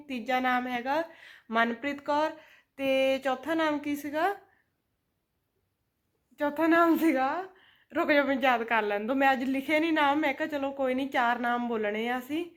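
A woman chatting casually as a family vlogger, in a dramatic, plaintive exclaiming manner. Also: high-pitched. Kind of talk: casual home vlog chat.

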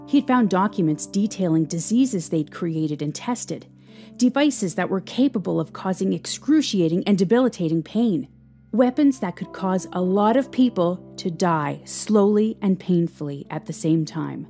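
A woman narrating a scripted audio drama in a measured, expressive, somber manner. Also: lowish voice. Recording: music under the voice. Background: instrumental music.

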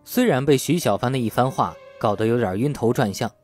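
A man's voice: medium pitch, lively intonation, brisk, a little mellow. A man narrating a crime novel as a scripted audiobook, in a storyteller's delivery. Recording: faint music bed under the voice. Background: faint background music.

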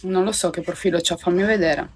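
A woman's voice: fairly low pitch, fairly even intonation, brisk, a little hiss or hum. A young woman, chatting casually with viewers on a phone livestream from home, swearing and laughing often. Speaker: livestream host. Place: at home indoors.

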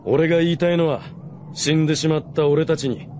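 A man playing a cynical, rough-spoken mercenary warrior in a radio drama, blunt and casual. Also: on the high side, steady tone, brisk, darkish tone, a little hiss or hum, natural voice. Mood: blunt, grave. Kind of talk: Japanese radio drama acting.

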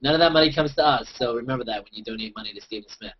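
Husky man hosting a video call. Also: mid-range voice, racing. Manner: joking, rambling, excitable wrap-up. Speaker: host. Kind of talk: casual group video chat. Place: dark home room. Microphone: headset on video call. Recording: muffled lo-fi video call audio.

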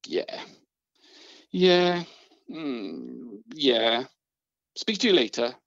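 A man's voice: mid-range voice, very animated, extremely slow, vocal fry, heavily acted. A man playing an earnest, worried British project worker in a radio drama, polite and hesitant. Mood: anxious. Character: anxious, earnest male events project worker. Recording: dry, slightly muffled.

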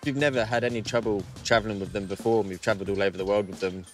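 Easygoing New Zealand man, low voice. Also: fairly even intonation, very fast, faint music behind. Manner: easygoing, plain-spoken storyteller. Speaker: interviewee. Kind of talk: casual interview. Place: outdoors by a harbour.

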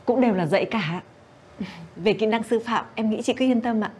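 A woman's voice: fairly high pitch, moderate pace, darkish tone, close to an everyday voice. Actress as eager mother, noisy background. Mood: reassuring. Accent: Northern Vietnamese. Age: middle-aged. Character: eager middle-aged mother nudging her grown son. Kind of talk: screen drama dialogue. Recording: clear ambient noise behind.

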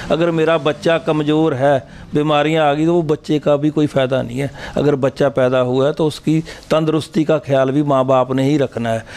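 Dentist giving earnest advice. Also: male voice, a little high, a little mellow, smooth. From Punjab, India. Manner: earnest, plain-spoken advice with homely examples. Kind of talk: interview answers.

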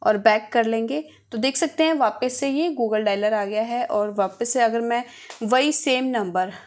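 A woman's voice: fairly high pitch, unhurried, darkish tone. A woman hosting a tutorial, talking viewers through steps in a casual, instructional way. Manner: addresses viewers directly, instructional. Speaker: host of phone tutorial videos. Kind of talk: casual step-by-step tutorial narration.

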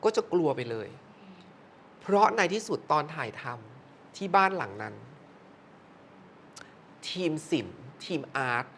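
A woman's voice: sits low, sing-song, measured pace, pauses often, a little hiss or hum. A middle-aged woman telling a haunted film-set story in casual conversation, acting out quoted voices expressively. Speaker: film producer or director.

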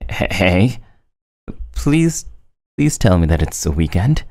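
A man acts out a sleepy male student in an audio roleplay. He stammers and teases in a slow, groggy morning voice with lively swings in pitch, recorded dry and close. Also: gravelly, no echo, exaggerated voice. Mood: flustered. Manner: halting, stammering. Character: drowsy, flustered, teasing male student on a phone call. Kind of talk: scripted roleplay voice acting.

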